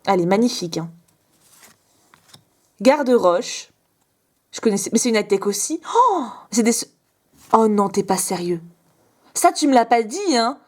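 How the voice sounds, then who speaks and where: A young woman with a fairly high voice chats casually to her viewers as she opens fan mail. She gushes over each item with quick exclamations and little asides to the camera. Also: big pitch swings. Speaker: vlogger opening fan mail. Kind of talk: casual unboxing chat.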